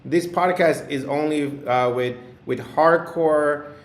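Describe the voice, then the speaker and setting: A man's voice: a little high, takes it slowly. A man hosting a podcast, introducing and interviewing a guest in an upbeat, emphatic way. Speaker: podcast host. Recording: roomy sound with faint music.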